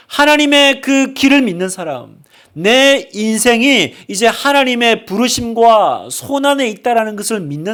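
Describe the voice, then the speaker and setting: A middle-aged male pastor delivers a Sunday sermon in a church sanctuary. His voice sits high and swings widely in pitch as he preaches. He asks the congregation questions and acts out the lines he quotes. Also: a bit bright.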